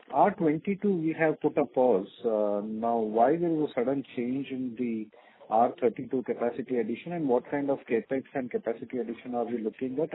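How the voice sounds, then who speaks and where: Indian man on a thin phone line. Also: medium pitch. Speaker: analyst asking questions. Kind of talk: earnings call questioning. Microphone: telephone conference line.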